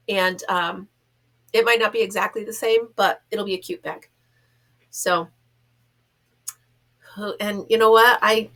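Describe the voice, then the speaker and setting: A woman's voice: mid-range voice, a bit bright. Congested woman, pinched-nose nasal voice. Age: middle-aged or older, a grandmother. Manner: rambling, self-deprecating, giggly. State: stuffed up from being sick. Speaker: host of a crochet vlog. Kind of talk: casual chatty vlog.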